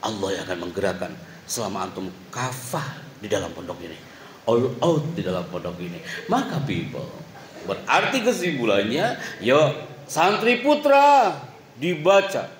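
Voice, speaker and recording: A middle-aged man giving a lively motivational talk to boarding-school students, acting out quotes and swinging between loud and soft. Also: mid-range voice, normal speed, slight background noise. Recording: echoey hall with faint ambience.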